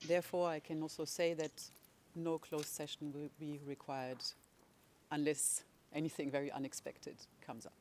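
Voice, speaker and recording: Courtroom lawyer, deliberate and measured pacing, middle pitch, faint noise under the voice. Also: flat delivery, a little mellow. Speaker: legal representative of victims. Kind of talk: courtroom questioning.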